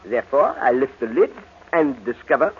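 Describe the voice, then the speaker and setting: An actor playing a fussy, shrewd detective with a French accent in an old-time radio drama, theatrical and deliberate. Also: male voice, medium pitch, very animated, lightly acted. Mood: theatrical, self-assured. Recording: muffled, noisy old radio recording.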